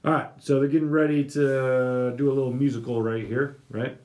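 A man's voice: medium pitch, flat delivery, normal speed, darkish tone. Chatty young man teaching scripture. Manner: chatty, lots of fillers and restarts. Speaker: Bible study podcast host. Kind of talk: casual Bible teaching chat.

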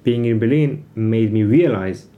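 A man whose first language is Hebrew, speaking as an interview guest in a thoughtful, halting way, often restarting his phrases. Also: on the low side, narrow, tinny audio. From Israel. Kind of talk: reflective conversational interview.

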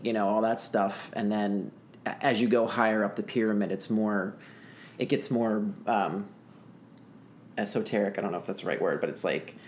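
A man's voice: lowish voice, a little hiss or hum. A man co-hosting a podcast, chatting casually in a joking, rambling way with frequent restarts. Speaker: podcast co-host. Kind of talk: casual chat.

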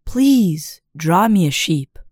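A small golden-haired boy with a soft, persistent way of asking. His voice rises and falls with lively shifts, and he speaks unhurriedly. The recording sounds close and dry. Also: sits high, slow pace, no room sound, voice pushed up, full character voice. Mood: pleading. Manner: gentle, persistent requests. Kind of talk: storybook reading.

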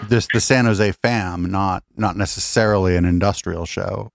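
A man's voice: deep voice, steady tone, moderate pace, creaky, no room sound, clean studio sound. A man hosting a podcast interview, chatting loosely with restarts and casual swearing. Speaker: podcast host.

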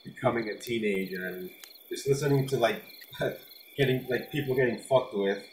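A man's voice: medium pitch, normal speed, low-quality recording. Regular guy from a band just chatting, mid voice, slight noise behind. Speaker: musician, band member guest. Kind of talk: casual banter.

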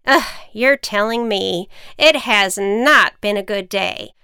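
A woman's voice: medium pitch, slow, sharp tone, clean tone, dry recording, studio quality. A woman voicing a cranky wicked witch who grumbles and complains. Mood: complaining. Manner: exasperated, complaining.

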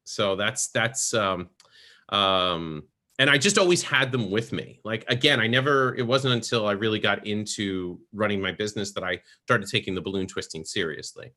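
Middle-aged man, bright forceful tone, animated storyteller, podcast guest. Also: lowish voice, moderate pace. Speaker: guest, professional Santa performer.

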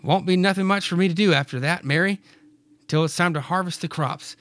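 A man's voice: high-pitched, fairly quick, fairly bright tone, no room sound, pitched above the performer's own voice. A man voicing a proud, stubborn farmer husband, with a wobbly attempt at a brogue. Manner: raised, gruff put-on voice with a wobbly attempted brogue.

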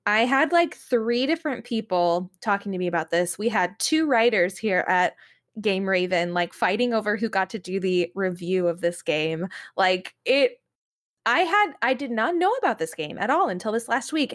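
A woman co-hosting a podcast in casual chat, talking in an informal, conversational way. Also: mid-range voice. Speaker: podcast co-host and games writer.

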